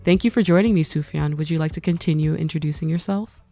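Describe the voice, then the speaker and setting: A woman's voice: deep voice, fast, mellow, no room sound. A woman hosting a podcast, reading a polished, upbeat introduction. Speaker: podcast host.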